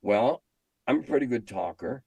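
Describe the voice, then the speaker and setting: An older American man, a veteran game designer and editor, answers as an interview guest, telling stories and hammering his opinions home with emphatic repetition. His medium-pitched voice is expressive, mellow and husky with vocal fry, at normal speed and without echo.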